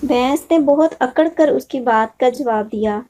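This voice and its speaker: A woman narrates a children's moral tale as a storyteller. Her voice is high-pitched and mellow, reading from a script. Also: unhurried.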